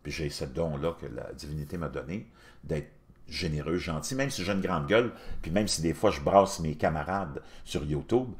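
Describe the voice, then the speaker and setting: A man's voice: extremely low pitch, moderate pace. A middle-aged man with a Quebec French accent, talking casually to his viewers in a blunt, crude, colloquial and philosophizing way. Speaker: YouTube channel host.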